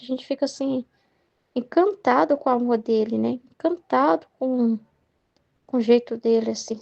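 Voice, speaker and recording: A young Brazilian woman reflects aloud on a devotional book in a high, mellow voice. She wanders from thought to thought and keeps checking in with tag questions. The tone stays that of a spoken study. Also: creaky, muffled recording. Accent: Brazilian Portuguese. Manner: meandering, heavy use of "né?" and "entendeu?" tags. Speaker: Catholic study leader.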